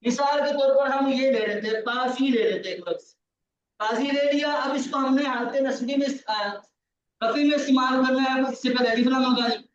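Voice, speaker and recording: A man's voice: very high-pitched, normal speed, noisy background. A male teacher giving a grammar lesson in a patient, repetitive way, checking that his student understands. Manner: patient, repeats key points, checks understanding. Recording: distant, roomy, dull lo-fi sound.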